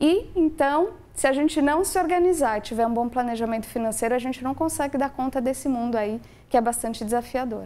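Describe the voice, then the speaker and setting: Speaking at a fairly quick pace, the woman uses a high pitch, a dark, mellow tone and ordinary pitch variation. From Brazil, São Paulo. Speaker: psychologist. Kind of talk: interview.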